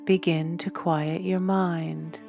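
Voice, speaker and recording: A woman leading a guided body scan meditation in a gentle, soothing manner. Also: lowish voice, level tone, takes it slowly, gravelly, over music.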